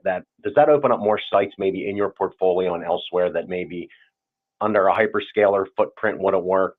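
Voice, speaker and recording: Male analyst, deep voice, halting and stammery phrasing, questioning executives over a tinny phone line. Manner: hesitant, stammering word starts. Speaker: financial analyst. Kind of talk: earnings call question.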